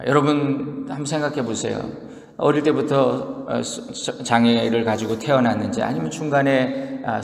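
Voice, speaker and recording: A man's voice: medium pitch, vocal fry. Preacher man in an echoey hall. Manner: lively storytelling with acted-out quotes. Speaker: pastor. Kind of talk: sermon.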